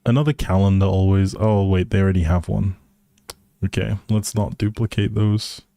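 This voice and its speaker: A man with a lowish, soft-edged mellow voice streams a game and chats casually to his viewers. He rambles amiably, thinking out loud as he plays. The sound is close and dry, with almost no room on it. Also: fairly even intonation, normal speed, dry recording. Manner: friendly rambling, thinking aloud. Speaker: live streamer playing a life simulation game. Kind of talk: casual gameplay chat with viewers.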